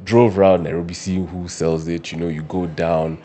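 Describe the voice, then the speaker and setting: A very deep-voiced man from Kenya answers interview questions in a measured, soft-spoken way. He pauses often and restarts his sentences as he recalls events. A faint background hiss runs under the conversation. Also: little pitch movement. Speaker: guest, company director. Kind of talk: casual interview storytelling.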